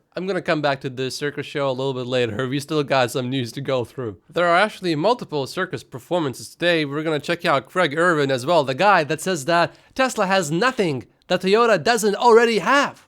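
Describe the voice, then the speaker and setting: Speaking with hardly any pauses, a man keeps his intonation lively. His pitch is fairly high. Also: fairly quick pace. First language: not English. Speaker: tech news commentator. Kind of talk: news commentary.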